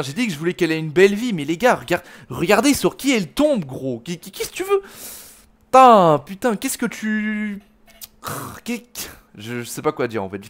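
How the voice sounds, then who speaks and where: Angry swearing gamer. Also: male voice, high voice. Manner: swearing, slangy, talks to viewers as "les gars". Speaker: gaming video host. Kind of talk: let's play commentary.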